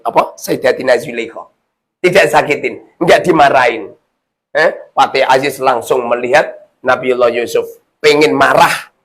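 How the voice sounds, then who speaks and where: A man gives a storytelling religious lecture in a fairly high voice. His delivery is animated and jokey, jumping from loud bursts to hushed asides. He keeps turning to his listeners with quick questions. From Indonesia. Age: 40s. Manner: addresses the audience often with tag questions. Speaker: Islamic preacher.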